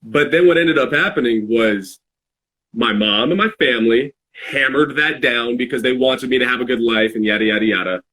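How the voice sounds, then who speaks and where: Reflective man talking haltingly on a podcast. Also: mid-range voice, pushed and bright, slight background noise, poor audio. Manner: halting, searching for words, self-reflective. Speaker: podcast speaker. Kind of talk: casual reflective podcast chat.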